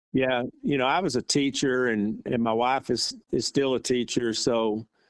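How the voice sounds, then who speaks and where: In a West Texas accent, a man with a medium pitch speaks at a fairly slow pace with fairly even intonation and very even loudness, in a dry, close sound with no echo. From West Texas / eastern New Mexico. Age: 60s. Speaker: retired teacher and cyclist. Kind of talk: podcast interview. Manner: halting, repeats words.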